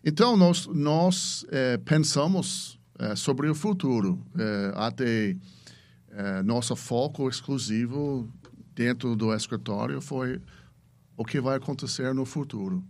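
Slow-paced American man speaking halting Portuguese. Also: medium pitch, a little mellow. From United States. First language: English. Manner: halting, searching for words in a second language. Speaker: podcast guest, venture capitalist. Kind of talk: casual podcast interview.

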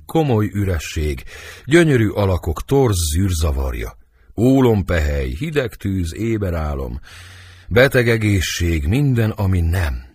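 In an audiobook, a man reads the part of Romeo, a brooding young nobleman in love, declaiming verse with sighing swings of feeling. His voice is on the low side with a breathy edge, and there's no room sound.

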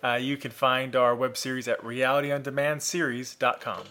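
A man's voice: mid-range voice, flat delivery, moderate pace, sharp tone. Chatty male podcast co-host. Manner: chatty, self-deprecating, laughs easily. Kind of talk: casual podcast chat.

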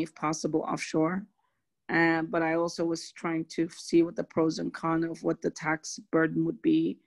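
A woman's voice: lowish voice, creaky. Hesitant woman on a video call. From Somali American. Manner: hesitant, restarts often. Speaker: caller.

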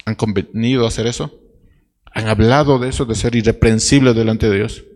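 A man's voice: medium pitch, steady tone, brisk, a little mellow. A man preaching a sermon as pastor, directly questioning his congregation.

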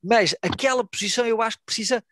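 A man's voice: high voice, fast, fairly bright tone, a little hiss or hum. A young man in casual podcast chat, slangy, repeating words as he searches for phrasing and mixing in English. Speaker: wrestling podcast co-host.

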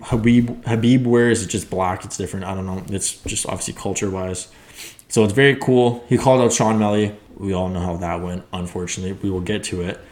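Rambling young man in an echoey room. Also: on the low side. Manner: excitable, rambling, swears casually. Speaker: podcast host. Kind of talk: casual fight recap.

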